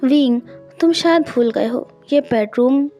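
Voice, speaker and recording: A woman voicing a doting, seductive husband in an audiobook, with a low, hushed, coaxing delivery. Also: measured pace, highs cut off, faint music behind. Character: adult man, doting, seductive, pleading husband.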